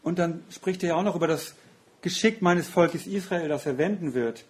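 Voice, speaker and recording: A man's voice: on the high side, moderate pace. A man preaching a sermon in an earnest, reflective way, often asking rhetorical questions.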